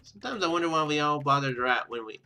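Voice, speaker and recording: A man doing casual let's play commentary, reading game text aloud and rambling as he thinks out loud. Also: fairly high pitch, expressive, quick pace, clean tone. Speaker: gaming video host.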